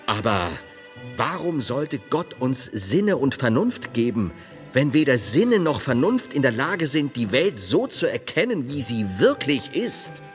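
A man playing a devout, self-assured medieval monk and philosopher in a theatrical drama, declaiming deliberately with scholarly emphasis. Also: mid-range voice, big pitch swings, big-room sound, faint music behind. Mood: troubled, reasoning. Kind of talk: theatrical German dialogue drama.

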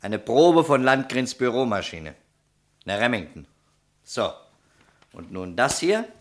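An actor playing a shrewd, insistent police detective in a German crime radio drama, asking pointed questions. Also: male voice, medium pitch, very animated, slow. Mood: businesslike.

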